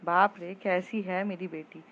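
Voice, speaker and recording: A woman's voice: lowish voice, steady tone, unhurried, fairly bright tone, dull audio, a little hiss or hum. A woman voicing a scolding but affectionate mother of a teenage girl, in a storybook reading. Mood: chatty.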